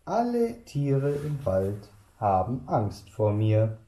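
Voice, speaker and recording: A man's voice: mid-range voice, wildly swooping pitch, slow pace, mellow, heavily acted. A man voicing a small, clever, boastful mouse from a picture book. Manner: cocky, bragging. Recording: roomy echo.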